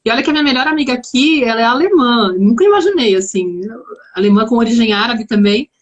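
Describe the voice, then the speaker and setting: As a guest in a relaxed live-stream conversation, a woman from São Paulo, Brazil, talks fast in a slightly high voice with lively intonation. She is reflective and chatty, restarting often.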